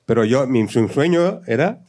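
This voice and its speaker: Halting man in casual panel talk. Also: medium pitch, expressive, darkish tone. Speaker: fiction writer, panelist.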